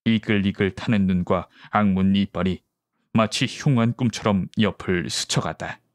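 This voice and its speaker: A man reading a mystery story as an audiobook narrator in a measured, literary way, recorded at home. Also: fairly low pitch, no room sound.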